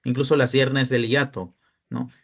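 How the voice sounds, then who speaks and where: A man's voice: medium pitch, level tone, moderate pace, gravelly. A young man with a Peruvian Spanish accent, a peer tutor giving an online class lecture, explaining step by step and often checking in with the students.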